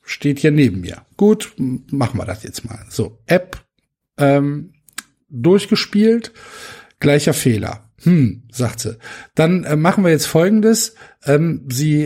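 A man on a casual podcast tells a drawn-out story with dry irony, playing both sides of a phone call. His voice is husky and breathy, and his pitch swings lively up and down. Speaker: podcast co-host. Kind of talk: casual chat, anecdote telling.

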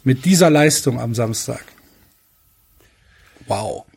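A man's voice: mid-range voice, animated, slow, creaky, darkish tone, breathy edge. A man hosting a casual podcast chat, venting at length with frequent hesitations and restarts. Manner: frustrated rant full of fillers and restarts. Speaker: podcast host.

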